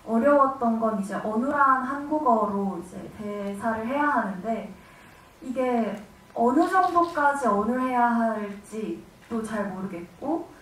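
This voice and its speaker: A woman's voice: fairly high pitch, expressive, unhurried, fairly bright tone. An actress explaining her role and thoughts at a press conference. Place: cinema auditorium. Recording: echoey hall, distant mic, faint noise.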